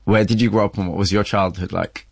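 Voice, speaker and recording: A man hosting and narrating, telling the story in a measured way and asking interview questions in a studio. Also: fairly low pitch, fairly even intonation, gravelly, husky, no echo. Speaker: host and narrator. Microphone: studio mic.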